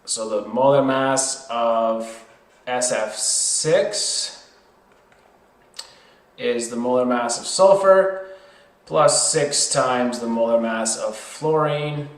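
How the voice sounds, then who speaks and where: A man with a mid-pitched voice gives an informal lesson at a slow pace. He thinks aloud as he explains each step, correcting himself as needed. The sound is roomy and echoey. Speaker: tutor. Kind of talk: worked chemistry problem lesson, explained step by step.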